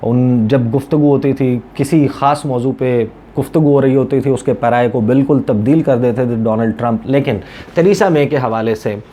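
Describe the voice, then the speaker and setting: Mellow-voiced Pakistani man explaining news. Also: mid-range voice, normal speed, slight background noise. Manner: explanatory, conversational, Urdu mixed with English words. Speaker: journalist covering foreign policy, presenter. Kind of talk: news commentary addressed to viewers.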